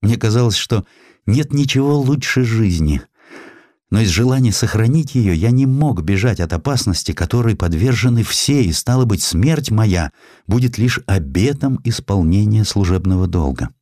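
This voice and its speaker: Deep, solemn young student's farewell read by a man. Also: lively intonation, moderate pace, a little mellow, no echo, studio quality. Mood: solemn, resolute. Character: dying young male student writing earnest, resolute farewell.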